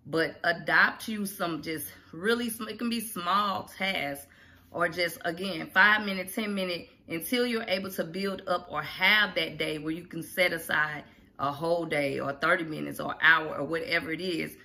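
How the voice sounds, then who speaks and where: In her home kitchen, a middle-aged vlogger talks casually to a camera held at arm's length in front of her, chatty and encouraging and animated with her hands. Her voice is lowish and her speed normal. The kitchen sounds roomy, with faint background noise.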